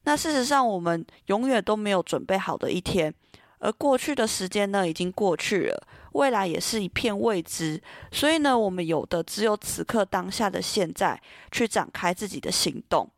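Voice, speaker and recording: A young woman from Taiwan talks through a personal story on her solo podcast. Her delivery is gentle and earnest, with many soft pauses, at a middle pitch. The sound is dry and close, with no room echo. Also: animated. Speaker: podcast host. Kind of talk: scripted solo podcast talk.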